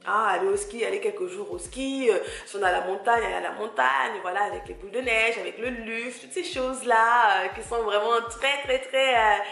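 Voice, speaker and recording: A woman's voice: on the high side, normal speed, gravelly, few pauses, a bit bright, reverberant. A woman from Cameroon, chatting casually and encouragingly to her listener as a podcast host, searching for words as she goes. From grew up in Cameroon, living in France. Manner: conversational, hesitant searching for words, addresses listener directly. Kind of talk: casual solo podcast talk, encouraging advice.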